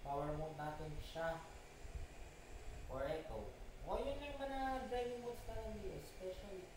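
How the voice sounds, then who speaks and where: A Filipino woman rambles casually with a lively, swooping voice that sits a little low. She is halting and repeats herself, slipping between Tagalog and English. The sound is heavily echoey, with clear noise around her. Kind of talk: casual rambling chat while driving. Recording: very echoey, distant mic, noisy background.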